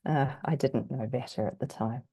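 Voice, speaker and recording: A woman from New Zealand with a husky, croaky voice, still getting over an illness, presenting an online workshop in a chatty, self-deprecating way with plenty of fillers. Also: extremely low pitch, moderate pace, mellow. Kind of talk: casual online workshop talk. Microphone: video call.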